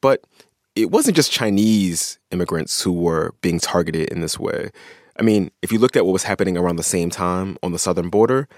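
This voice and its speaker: A man's voice: sits low, moderate pace, a little mellow, no echo, studio quality. An American man co-hosting a podcast, explaining things in a casual, conversational radio style. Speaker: podcast co-host.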